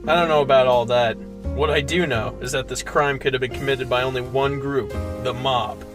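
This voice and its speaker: A man's voice: medium pitch, steady tone, normal speed, natural voice. A young man playing a cocky, dense noir detective in an amateur radio play. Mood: self-assured. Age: teens or young adult. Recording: amateur recording with music underneath.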